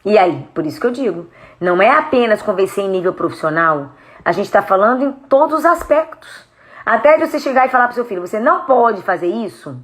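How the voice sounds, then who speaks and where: A woman's voice: mid-range voice, fairly quick. A woman with a Brazilian Portuguese accent, a speech therapist giving a direct-to-camera lesson, asking viewers questions and acting out tones of voice. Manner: animated, explains with spoken demos of tone. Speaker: speech therapist and communication coach.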